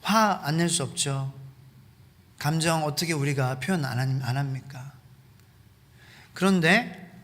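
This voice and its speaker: In a reverberant church sanctuary, a male pastor with a fairly high voice preaches animatedly. He acts out quotations and puts questions to the congregation.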